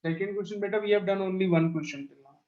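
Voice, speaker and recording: A man's voice: sits high, racing, darkish tone. A male maths teacher with a South Asian accent leading an online class, prodding pupils and repeating his instructions. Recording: dull lo-fi online call audio.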